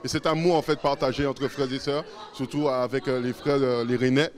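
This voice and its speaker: A man's voice: medium pitch, steady tone, fairly quick. A man interviewed about a church gathering, speaking fervently with repeated phrases and fillers. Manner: fervent, repetitive. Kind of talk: spontaneous testimony.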